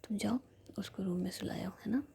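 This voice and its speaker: A woman's voice: mid-range voice, normal speed, creaky, mellow, breathy edge. Woman whispering as a teasing bossy young woman. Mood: teasing refusal.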